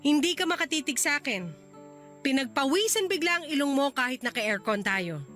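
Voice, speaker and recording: A fired-up wife scolding her husband, radio drama, high bright voice. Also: animated, normal speed, soft background music. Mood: angry. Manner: heated, scolding. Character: angry young wife, sharp and confrontational.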